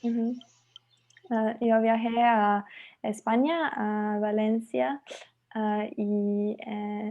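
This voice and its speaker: Very slow speech from a woman at a fairly high pitch, with ordinary pitch variation and long, frequent pauses. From Slovenia. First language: Slovenian. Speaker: language student. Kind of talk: language lesson conversation. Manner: halting.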